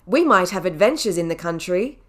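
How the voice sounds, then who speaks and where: A woman voicing eager, excited young children from a storybook, bubbly and exclaiming. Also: on the low side, fairly quick. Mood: dreamy excitement.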